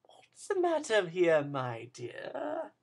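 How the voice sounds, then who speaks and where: A man voicing a sly old male fence in a storybook reading, with a hushed, wheedling whisper. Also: high voice, wildly swooping pitch, takes it slowly, voice pushed up, exaggerated voice.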